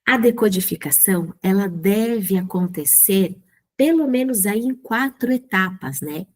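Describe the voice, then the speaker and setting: Woman, Brazilian accent, mid pitch, didactic trainer voice for a slide lesson. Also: expressive, measured pace. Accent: Brazilian Portuguese. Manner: didactic, asks the audience questions, frequent "né". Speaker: teacher trainer.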